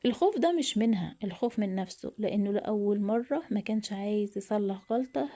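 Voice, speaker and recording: A woman with an Egyptian accent narrating a love story in a soft, often whispered voice. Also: mid-range voice, expressive, fast talker. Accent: Egyptian Arabic.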